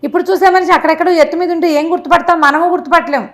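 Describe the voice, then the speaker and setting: A woman telling a folk moral tale in an animated, chatty, conversational way, with asides to her listener. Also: very high voice, rapid-fire. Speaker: storyteller. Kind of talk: spontaneous conversational storytelling of a folk moral tale, acting out dialogue.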